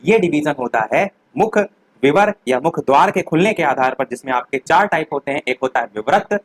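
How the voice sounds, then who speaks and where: A man's voice: on the high side, low-quality recording. A young man, giving an exam revision lecture and explaining step by step with rhetorical questions. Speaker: teacher.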